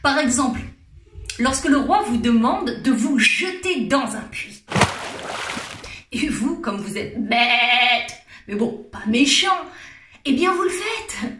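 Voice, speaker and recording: A woman's voice: fairly high pitch, expressive, takes it slowly, pauses often, fairly bright tone. A woman with a French accent doing a playful, theatrical comic monologue, teasing and laughing often. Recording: roomy echo.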